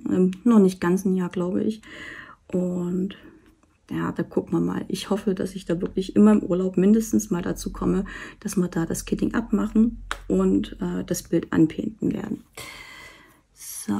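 A woman vlogger chatting casually while she does a diamond painting, rambling with many fillers and soft asides. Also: on the low side, fairly even intonation, unhurried, creaky, long pauses, breathy edge. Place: indoors at a table. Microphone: camera over the work table, hands seen.

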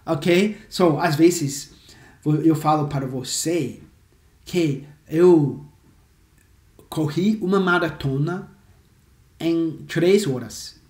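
Slow, emphatic male English teacher. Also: fairly high pitch, darkish tone. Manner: slow, emphatic, repeats example phrases for drill. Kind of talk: language lesson to camera. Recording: echoey room.

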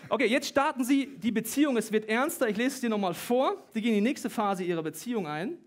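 A young adult man preaching a sermon as pastor, lively and joking, sometimes talking faster than he thinks. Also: high voice. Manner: lively, joking, talks fast at times.

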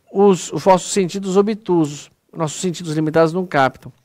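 A man's voice: high voice, dry recording, clean studio sound. A man with a Brazilian accent giving an earnest, conversational spiritist lecture online, often calling his audience "pessoal". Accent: Brazilian Portuguese.

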